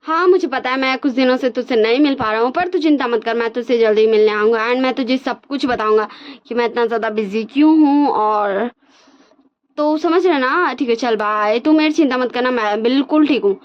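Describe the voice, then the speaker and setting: A woman's voice: fairly high pitch, lightly acted. Woman voicing a hurt, apologetic young student. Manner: soft, halting apologies. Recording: dull lo-fi recording.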